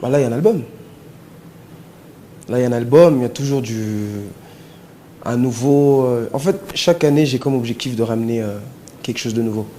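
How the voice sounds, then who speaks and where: A male musician being interviewed, talking in a relaxed, hesitant way and slipping in Lingala words. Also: mid-range voice, brisk, pauses often, a little hiss or hum. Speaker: musician guest. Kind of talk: casual interview talk.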